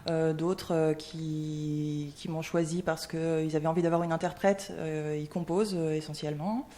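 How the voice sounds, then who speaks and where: A woman's voice: deep voice, little pitch movement, normal speed, mellow, slight background noise. A woman from Paris, a singer-songwriter, answering questions hesitantly in a radio interview, with many fillers. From Paris, France. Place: radio studio.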